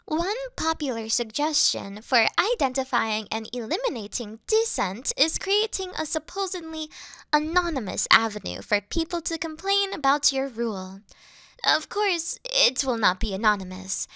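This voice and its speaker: Girl doing a yandere demon servant, slow sweet talk, dry close sound, worships her mistress. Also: sits high, dry recording, heavily acted.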